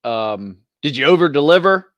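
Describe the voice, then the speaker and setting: A man co-hosting a podcast in casual chat, easygoing and a bit halting as he talks. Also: fairly high pitch, expressive, a bit bright, no echo, dull audio. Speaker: podcast co-host and fitness group trainer.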